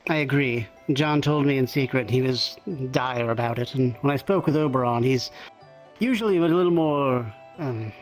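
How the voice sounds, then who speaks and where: Male roleplayer, mid-range voice, courteous and tentative, talking in character over soft music. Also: mid-range voice, moderate pace, low-quality recording. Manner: hesitant, polite, thoughtful phrasing. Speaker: roleplay player. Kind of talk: improvised in-character fantasy roleplay chat. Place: online virtual reality session.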